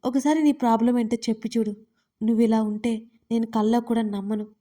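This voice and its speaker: A woman's voice: on the high side, fairly even intonation, brisk, mellow, natural voice. A woman voicing an insistent, possessive young husband in an audio love story, pressing his questions. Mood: angry.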